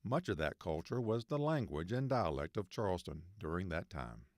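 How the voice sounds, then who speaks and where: A man's voice: low voice, big pitch swings, normal speed, darkish tone, a little hiss or hum. A man reading scripted narration as the reporter of a feature story.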